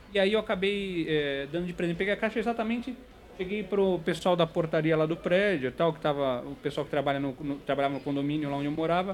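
The man's voice is high-pitched, with ordinary pitch variation. He speaks at a very fast pace. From Santos, Brazil. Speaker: toy collector and podcaster. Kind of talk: casual live-stream interview. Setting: shop during opening hours, live stream.

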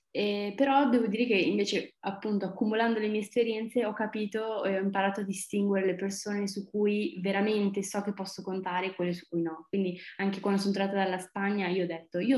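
Words come at a very fast pace. Pauses are hardly present at all. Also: woman. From northern Italy, Varese. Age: 20s. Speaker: university student. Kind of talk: casual interview.

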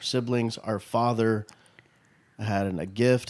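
This man has a normal speaking voice at a medium pitch. He talks at a moderate pace with fairly even intonation. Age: 50s. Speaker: podcast host. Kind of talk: casual chat. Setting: studio.

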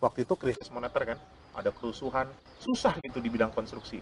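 This man's voice is somewhat breathy. His pitch shows ordinary variation. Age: 40s. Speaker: university professor. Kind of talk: casual interview conversation. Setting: at his home, sitting on outdoor stairs.

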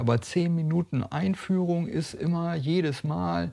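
The voice has a gentle tone and moves at a fairly slow pace. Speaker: meditation teacher. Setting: recording with meditation timer and gong bell. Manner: gentle, unhurried guiding tone.

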